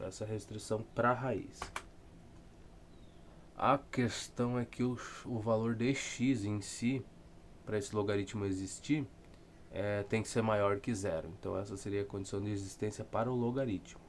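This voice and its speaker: A man's voice: fairly low pitch, steady tone, moderate pace, a little hiss or hum. A man with a southern Brazilian accent giving an informal, rambling math lesson, thinking aloud with dry, self-deprecating humour. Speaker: math tutor. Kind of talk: casual lesson, solving textbook problems aloud.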